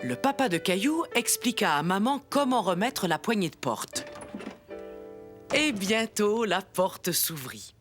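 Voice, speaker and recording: A woman playing a kindly storyteller, narrating a children's cartoon in a gentle, expressive way. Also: mid-range voice, unhurried. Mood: storytelling. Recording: music behind the voice.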